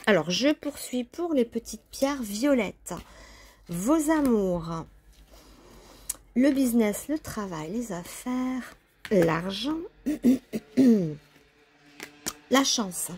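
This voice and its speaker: A woman's voice: a little high, animated, very slow, pauses often, a little mellow. A woman chatting casually as she lays out a tarot reading, talking to herself while she handles the cards. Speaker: tarot reader.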